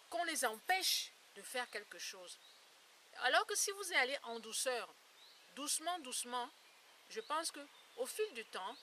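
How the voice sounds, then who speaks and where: Bright-voiced woman in her fifties, distant mic. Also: a little high. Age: 50s. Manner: earnest, emphatic, repeats phrases for emphasis. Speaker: beauty blogger and campaigner against skin lightening. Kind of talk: informal talk to followers. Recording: distant mic, clear background noise.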